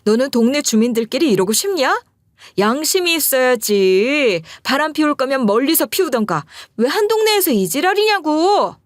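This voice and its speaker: A woman voicing a furious middle-aged wife who yells accusations at her husband's mistress. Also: high voice, sing-song, moderate pace, dry recording, clean studio sound, pitched above the performer's own voice. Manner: yelling accusations.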